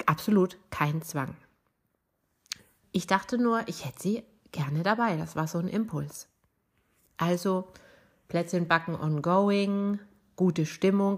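Woman, middle-aged, hoarse smoker-like rasp, slightly low pitch, podcast storytelling. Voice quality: raspy, rough-edged voice. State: hoarse from bronchitis. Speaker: podcast host and voice trainer. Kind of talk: personal storytelling podcast episode.

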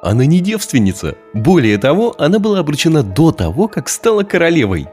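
Man voicing a secretive male courtier, urgent delivery, animated intonation, soft music behind. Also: fairly high pitch, husky. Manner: hurried, secretive reporting. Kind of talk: audio drama scene.

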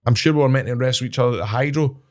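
A man with a Scottish accent telling animated, swearing-laced stories as a wrestler guest in casual chat. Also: mid-range voice, racing. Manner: animated, swears, laughs at his own stories.

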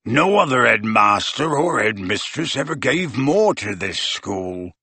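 A man voicing a huge, soft-hearted groundskeeper who is tearful and speaks in a gruff, croaking, rustic way. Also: medium pitch, big pitch swings, measured pace, dry recording, exaggerated voice. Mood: grieving.

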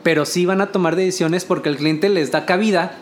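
Chatty higher-voiced northern Mexican man. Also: fairly even intonation, a little fast, a little hiss or hum. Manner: explains at length, with frequent restarts and light laughter. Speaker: designer. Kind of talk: casual podcast chat.

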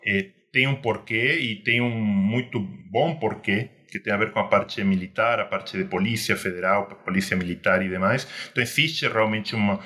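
A middle-aged man from Argentina with an Argentine Spanish accent, a native Spanish speaker, speaking as an interview guest in a reflective, measured way with hesitant restarts. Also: on the low side, pushed and bright. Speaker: guest, security industry executive. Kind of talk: online panel interview.

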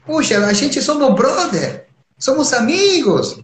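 Storyteller bit: man putting on a whiny high-pitched male god, echoey and noisy. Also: very animated, slow pace, heavily acted. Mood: complaining. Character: plaintive god demanding his share, male adult. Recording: echoey room, background noise.

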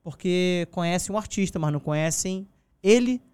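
Male podcast host, high and smooth voice, chatty and emphatic, dry room. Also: lively intonation, normal speed, a little mellow, dry recording. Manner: chatty, emphatic, repeats himself. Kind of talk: casual interview chat.

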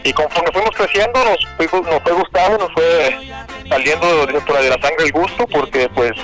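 A man's voice: a little high, moderate pace, fairly bright tone, faint music behind, low-quality recording. Nervous Mexican man, hesitant radio guest. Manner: hesitant, many fillers and restarts. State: nervous on air. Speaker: rodeo promoter, interview guest. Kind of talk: radio interview.

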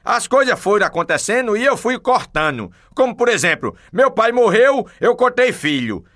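A man voicing a patient middle-aged man who slowly explains something. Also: high voice, very animated, sharp tone, full character voice.

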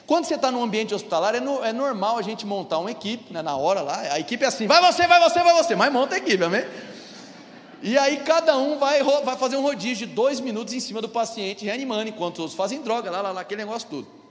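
In a big-sounding church hall, a thirtysomething pastor with a Brazilian Portuguese accent talks fast in a high, animated voice. He preaches through a personal story, often seeking an amen with "amém?" and calling listeners "irmão."

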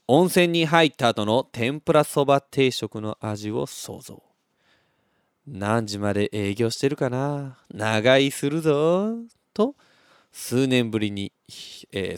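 A young man with a lilt chats his way through listener mail, his voice rising and falling in lively swings. He laughs easily and tosses in playful sound effects as he tells stories. The sound is dry and close, with no room around it. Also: mid-range voice, clear, resonant tone, no room sound. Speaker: podcast host reading listener messages. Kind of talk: casual chat.

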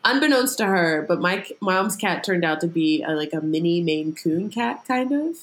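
A woman's voice: on the low side, animated, moderate pace. Rambling woman full of "like"s. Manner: rambling storyteller, heavy filler "like". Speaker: podcast guest. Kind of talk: casual chat.

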